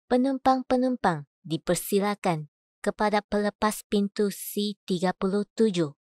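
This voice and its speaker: A woman voice-over artist reads prepared copy in a medium-pitched voice. Her delivery is measured and clearly enunciated, and the recording is close and dry. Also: darkish tone, no echo. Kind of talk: scripted voice-over demo: adverts, narration, announcements.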